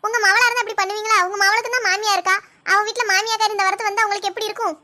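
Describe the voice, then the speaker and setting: A woman's voice: extremely high pitch, fairly even intonation, very fast, bright, forceful tone. A woman acting an indignant young daughter-in-law who argues back in a comic family skit.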